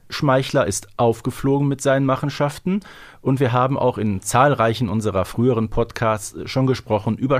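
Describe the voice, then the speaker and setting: Chatty man co-hosting a podcast. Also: medium pitch. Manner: chatty, seeks agreement with tag questions. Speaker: podcast co-host. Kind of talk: casual fan discussion of an audio drama.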